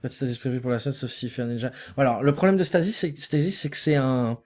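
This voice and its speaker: A man's voice: mid-range voice, fast, a little mellow. A man streaming a game live, chatting casually, reacting aloud and swearing freely as he plays. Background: game music.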